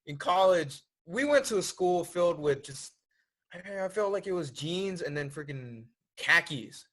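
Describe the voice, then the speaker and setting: A man in his twenties from Thailand, a podcast guest talking in a relaxed, thoughtful way. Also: high voice, measured pace. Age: 20s. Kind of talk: casual interview chat.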